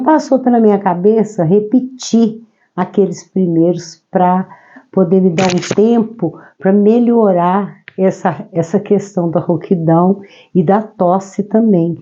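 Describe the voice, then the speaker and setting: A woman from Brazil, hoarse from a cold, gently explaining a Gospel passage verse by verse. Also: lowish voice. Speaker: Bible teacher. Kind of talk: devotional Gospel commentary. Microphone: own microphone. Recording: slightly dull lo-fi recording.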